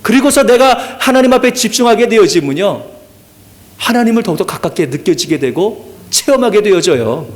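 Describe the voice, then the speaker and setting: A man's voice: high-pitched, big pitch swings, moderate pace. A male pastor giving an earnest Sunday sermon in a church, often drawing amens from the congregation. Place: church sanctuary.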